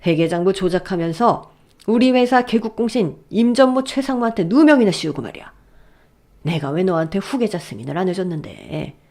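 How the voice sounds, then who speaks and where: A woman voicing a wealthy older father who scolds and sneers at his son-in-law in a lowered, gruff voice, as a story reader. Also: lively intonation, brisk, lightly acted. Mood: furious. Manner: gruff, sneering, shouting insults. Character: furious rich old father, blunt and scolding.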